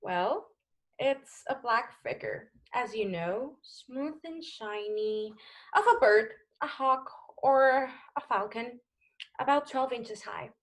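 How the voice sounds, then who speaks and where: A woman's voice: on the high side, slow, rough recording. A woman playing an anxious, seductive, manipulative femme fatale in a 1940s noir radio play, coy and dramatic in her delivery. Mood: evasive. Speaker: voice actor.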